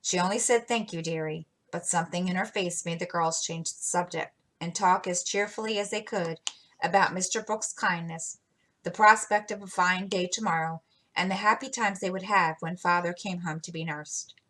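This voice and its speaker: A woman's voice: fairly low pitch, fairly even intonation, moderate pace, pushed and bright. A woman hosting a story time, reading a classic novel aloud steadily with a few small slips.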